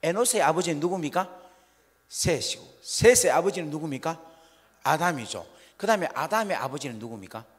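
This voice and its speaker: Delivering a revival sermon in a church sanctuary, this pastor talks a little fast in a high-leaning, expressive voice. He quizzes the congregation and plays the part of scolding parents, all under the long reverb of the hall.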